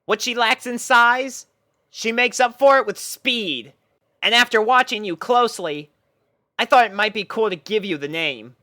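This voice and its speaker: A storyteller voicing a brash, caring, excitable cartoon pegasus pony mare with emphatic, drawn-out announcements. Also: mid-range voice, dry recording, studio quality, pitched above the performer's own voice, close to an everyday voice. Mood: proud, announcing.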